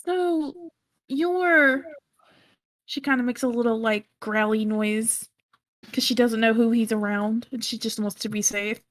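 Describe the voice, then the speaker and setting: A woman improvising casually as a tabletop game player, halting and repeating her words. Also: fairly high pitch. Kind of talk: casual in-character improvised chat.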